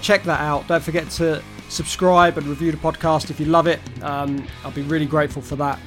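A man hosting a podcast, his voice slightly croaky, talking in a chatty, upbeat way. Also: a little high, little pitch movement, a little fast, a bit bright, soft background music. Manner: chatty, upbeat, friendly promotional. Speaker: podcast host. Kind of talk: casual solo wrap-up talk.

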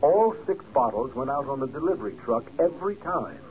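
A man's voice: mid-range voice, animated, fairly quick, lightly acted. A man playing a hesitant fussy clerk. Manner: hesitant, full of uhs. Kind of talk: 1940s radio acting. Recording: dull old radio broadcast with hiss.

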